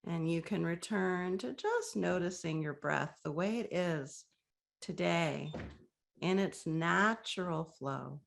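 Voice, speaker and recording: A woman leading a guided breathing meditation, speaking softly and gently with long, inviting pauses. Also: on the low side, expressive, vocal fry.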